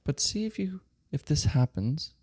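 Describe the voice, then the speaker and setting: A man leading a guided meditation, giving calm, gentle, unhurried instructions with long pauses between short phrases. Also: a little high. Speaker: meditation teacher.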